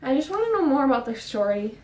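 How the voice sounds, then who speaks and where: A breathless young woman with a high voice chats casually about books as a vlogger from her bedroom. She's very animated, talking fast and rambling with fillers and restarts. The sound is roomy, and she sits far from the mic.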